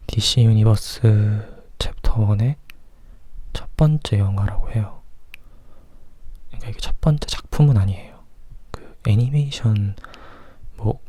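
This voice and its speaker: A man from South Korea whispering softly and close to the mic in an informal ASMR movie chat, sometimes thinking aloud. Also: on the low side, no echo. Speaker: movie review host. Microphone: close microphone.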